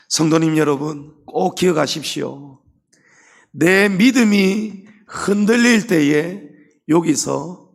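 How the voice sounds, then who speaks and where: High, gravelly-voiced male pastor preaching. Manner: emphatic preaching, swings between loud climaxes and quiet drops; acts out quoted Bible characters in his own voice. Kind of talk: sermon.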